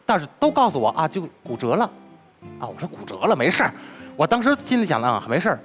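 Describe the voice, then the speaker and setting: A man, a crosstalk performer telling a personal story as an interview guest, with an animated delivery that acts out the dialogue. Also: on the high side, fast talker, music in the background. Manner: animated, retells dialogue with lively swings.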